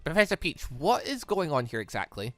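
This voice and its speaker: A let's play host rambling through casual commentary and reading visual novel dialogue aloud, often repeating and rephrasing while thinking out loud. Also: mid-range voice, sing-song, fairly quick, no room sound, studio quality. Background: game music.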